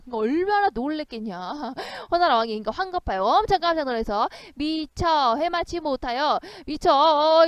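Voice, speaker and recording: Woman literature tutor, high voice, dry close sound, animated lecturing that acts out the story's lines. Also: no echo.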